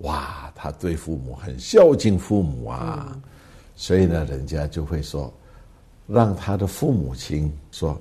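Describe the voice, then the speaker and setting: A man's very deep, low voice at a very slow pace, with lively intonation and big swings in loudness. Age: 70s. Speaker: businessman and philanthropist. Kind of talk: interview.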